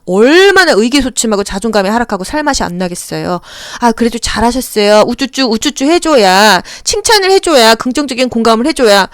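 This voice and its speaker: A woman lectures on exam material in a lively, higher voice that rises and falls widely. Her tone is smooth and clear, and the sound is dry and close. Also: no echo. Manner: animated, acts out short dialogues and sound effects. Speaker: exam-prep lecturer for care workers. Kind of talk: audio lecture with acted examples.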